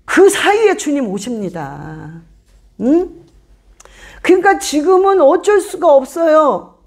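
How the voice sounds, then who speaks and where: A woman's voice: sits high, takes it slowly. A woman pastor preaching a sermon to her congregation, emphatic and repetitive, often acting out the voices of churchgoers. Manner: animated, acts out congregants' voices; emphatic, repeats commands.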